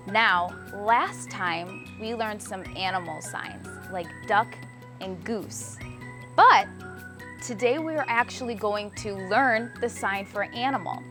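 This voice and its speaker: Encouraging woman teaching children, music behind. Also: mid-range voice. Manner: encouraging, simple talk addressed to young viewers. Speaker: sign language teacher for children. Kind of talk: children's show lesson, step-by-step instruction.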